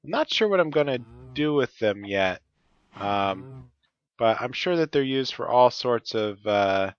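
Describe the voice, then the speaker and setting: A man's voice: medium pitch, lively intonation, a little slow, lo-fi sound. Stuffy-voiced man narrating his gameplay. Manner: methodical, talks through each step. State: stuffy from a cold. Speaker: Let's Play host. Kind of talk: casual gameplay commentary.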